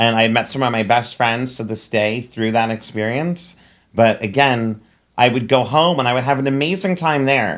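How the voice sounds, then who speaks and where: On a very clean recording with a silent background, a man of medium pitch talks at a moderate pace in a strong New York accent, with ordinary pitch variation. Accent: thick New York. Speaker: event producer, nightclub owner. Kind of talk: podcast interview answer. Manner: loud, playful.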